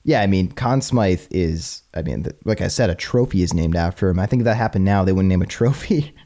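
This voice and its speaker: A man hosting a casual history podcast, chatty and quick to laugh. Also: deep voice, warm tone. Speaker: podcast host.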